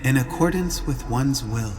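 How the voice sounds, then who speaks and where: A man's voice: medium pitch, lively intonation, a little slow, darkish tone, voice pushed up, close to an everyday voice. Story role: artificial female messenger played by a man, courteous, detached, exact and programmed, over faint music. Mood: formal, detached. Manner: formal, precise, programmed delivery. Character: polite, emotionless female avatar of an artificial messenger.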